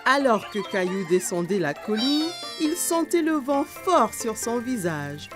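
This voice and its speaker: A woman narrating a children's cartoon in a gentle, scripted storytelling manner. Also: on the high side, very animated, measured pace. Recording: music bed under voice.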